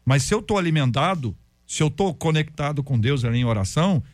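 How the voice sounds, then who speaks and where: A man, a pastor, talking about prayer in a relaxed, conversational way and acting out stories and prayers. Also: fairly high pitch, fairly quick, no echo. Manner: storytelling, acts out prayers and quotes. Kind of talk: conversational faith talk.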